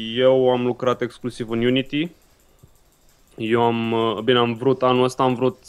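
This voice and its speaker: Speaking at a fairly slow pace, a man keeps a medium pitch. His intonation is monotone and flat. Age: 20s. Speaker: live streamer, game dev student. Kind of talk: casual chat.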